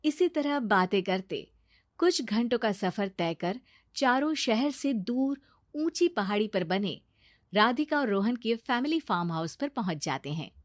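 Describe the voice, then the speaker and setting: A woman narrating a storybook cartoon, telling it steadily and plainly. Her voice sits fairly high, and the recording is dry and close. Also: very animated, unhurried, no room sound.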